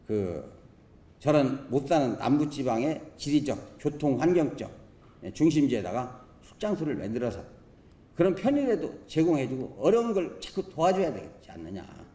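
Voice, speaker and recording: A council member speaks at a podium in an echoey assembly chamber. His voice sits a little high but sounds dark and mellow, and his pitch swings widely as he presses each point. He argues emphatically, leaning on rhetorical questions and folksy sayings. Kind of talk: questioning session speech. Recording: roomy chamber echo.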